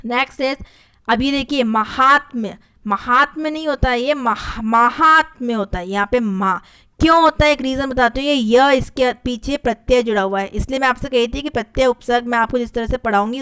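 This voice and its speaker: A woman teaching a spelling lesson for an exam, her voice smooth and clear and pitched a little high. She goes over each correction patiently and repeats it to make it stick. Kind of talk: exam-prep grammar lesson.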